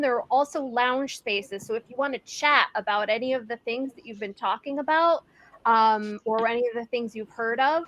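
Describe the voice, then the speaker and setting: A woman with a fairly high voice. She explains things informally, like a staffer walking attendees through an online event. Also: fairly bright tone, rough recording.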